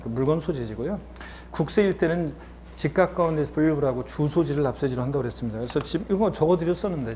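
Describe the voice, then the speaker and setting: A man's voice: fairly high pitch, warm tone, slight background noise. A man teaching a lecture course in a chatty, encouraging way. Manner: chatty and encouraging, often starts with "자". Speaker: instructor.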